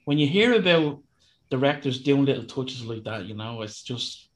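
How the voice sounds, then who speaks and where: Male co-host, froggy from a cold, rambling and quick to laugh. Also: mid-range voice, expressive. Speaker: podcast co-host. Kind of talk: casual film chat.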